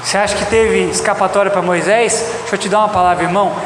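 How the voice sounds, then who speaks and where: A Brazilian preacher with a high-pitched voice delivers a fast, steady-toned sermon straight to his congregation, emphatically repeating his points. The echoey church hall recording carries loud background noise.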